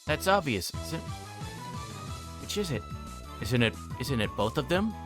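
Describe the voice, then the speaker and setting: A man's voice: mid-range voice, big pitch swings, unhurried, music in the background. A man voicing a put-upon, grumbling teenage boy from an anime visual novel, plain-spoken and exasperated. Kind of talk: amateur visual novel character reading.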